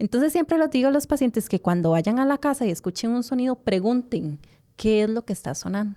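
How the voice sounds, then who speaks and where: On a very clean recording with a silent background and a dry, close sound with no echo, a woman speaks fairly quickly at a fairly high pitch, her tone dark and mellow and her intonation lively. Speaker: audiologist. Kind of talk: casual chat.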